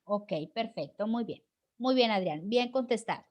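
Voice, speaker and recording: A woman's voice: on the high side, expressive, moderate pace, dull audio. A woman teacher leading an online class discussion, encouraging students and tagging her points with "right?". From Mexico. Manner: encouraging, frequent "¿verdad?" tag questions. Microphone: video call.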